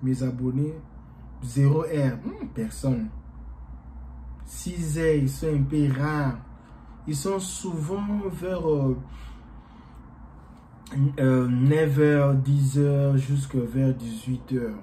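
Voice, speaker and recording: A man whose first language is Portuguese, talking casually to his viewers as a YouTuber in a rambling, halting way with many fillers. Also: medium pitch, dark tone, slight background noise, poor audio.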